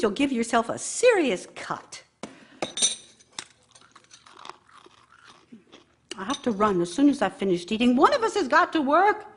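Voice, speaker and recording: An actress playing a bitter, long-suffering wife in a radio play, nagging and scornful, with a husky voice. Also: female voice, sits high, slight background noise. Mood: nagging, impatient. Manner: scornful, reproachful, needling. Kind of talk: radio theater monologue.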